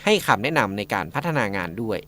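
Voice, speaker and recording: A man's voice: fairly low pitch, very animated, fast, bright, forceful tone. A man delivering a scripted news report as a radio reporter.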